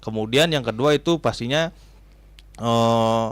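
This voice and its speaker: A man's voice: medium pitch, a little slow, clear, resonant tone, dry recording. A man in his twenties, a Hindu religious counselor, explaining things as a radio guest with frequent fillers. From Bali, Indonesia. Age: 20s. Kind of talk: casual radio interview.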